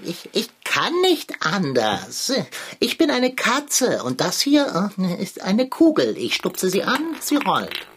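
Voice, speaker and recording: A woman's voice: medium pitch, huge pitch swings, takes it slowly, hardly any pauses, slightly rough, full character voice. A woman voicing a fussy, bookish black tomcat who complains dramatically and gets airsick. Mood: delighted. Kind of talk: children's audio play narration in character.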